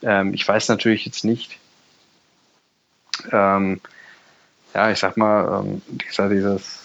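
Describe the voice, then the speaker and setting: Mid-thirties guy, kinda low voice, lots of ums, dull lo-fi audio. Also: flat delivery, slow pace, gravelly, a bit bright. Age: mid-30s. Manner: hesitant, many fillers, short backchannel replies. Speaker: podcast co-host. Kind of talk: casual chat. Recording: dull lo-fi sound.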